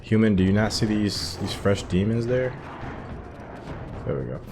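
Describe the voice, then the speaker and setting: With game music playing, a man with a voice on the low side chats casually to his viewers during a video game playthrough. He's a gaming streamer, and his intonation is lively at a normal pace.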